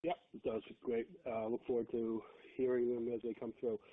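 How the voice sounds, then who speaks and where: A man's voice: mid-range voice, flat delivery, moderate pace. A man speaking as a financial analyst, putting questions to management on an earnings call. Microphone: phone. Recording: tinny phone line.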